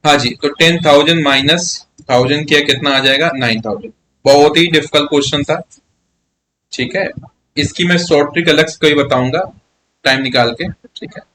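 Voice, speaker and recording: Chatty maths teacher, slightly high voice. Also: male voice, normal speed, a bit bright, slight background noise. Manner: chatty, coaxing, keeps asking students "yes or no?". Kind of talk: live online maths class.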